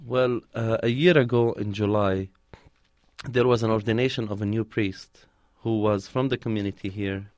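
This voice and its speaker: Low-voiced man, close dry sound. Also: steady tone, moderate pace, a little mellow, dry recording. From Palestine. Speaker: interviewee, community organizer. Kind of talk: conversational interview answers, telling personal stories.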